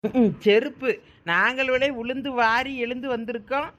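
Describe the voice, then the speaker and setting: A woman voicing a gruff, tired older village aunt in a cartoon, talking in a blunt, scolding way. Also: a little high, steady tone, normal speed, a bit bright, pitched below the performer's own voice, close to an everyday voice. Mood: grumbling.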